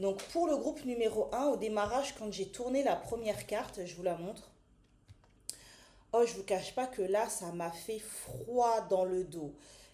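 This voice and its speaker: A woman talks at a fairly slow pace and medium pitch. Her intonation is lively. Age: 30s. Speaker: tarot card reader. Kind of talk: oracle card reading. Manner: halting, many fillers and repetitions.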